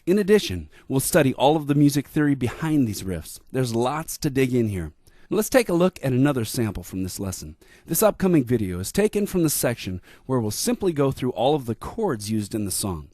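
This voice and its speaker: A man's voice: mid-range voice, big pitch swings, fairly quick, dark tone, no room sound, clean studio sound. A man giving upbeat, scripted voice-over narration introducing piano lesson clips. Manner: upbeat, promotional.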